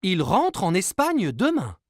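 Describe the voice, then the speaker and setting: A woman voicing a patient, reassuring mother in a children's cartoon, explaining things gently. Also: medium pitch, wildly swooping pitch, unhurried, no room sound, studio quality.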